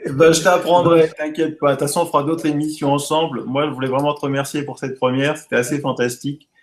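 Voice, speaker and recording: A man's voice: a little high, level tone, quick pace. A man from France hosting, chatting casually over a video call in an encouraging, friendly way. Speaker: host.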